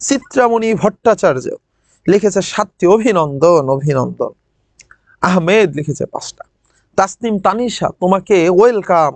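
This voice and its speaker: A man's voice: sits high, a little mellow, no echo. A man teaching an online class, teasing and calling on his students by name.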